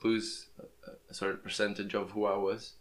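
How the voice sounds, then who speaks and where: A young man whose first language is Portuguese talks casually into his podcast microphone. His voice sits low and stays flat, and he often stumbles and restarts his words as he goes. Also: normal speed. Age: young adult. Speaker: podcast host. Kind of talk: casual interview chat. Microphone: plugged-in podcast microphone.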